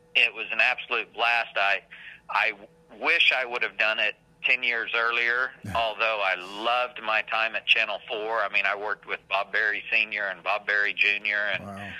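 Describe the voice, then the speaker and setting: In an American accent, a man at medium pitch talks at a moderate pace in a bright, sharp tone with monotone, flat intonation. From Oklahoma, small town. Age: 50s. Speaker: high school sports media relations director, former sports reporter. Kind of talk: casual interview.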